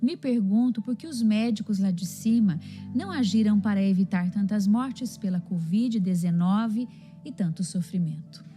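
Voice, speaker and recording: A woman's voice: mid-range voice, moderate pace, mellow, faint music behind. A Brazilian woman presenting a religious programme and reading out questions.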